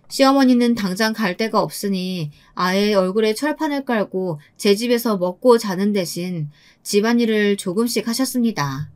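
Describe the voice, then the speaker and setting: Woman narrating a first-person story. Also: mid-range voice.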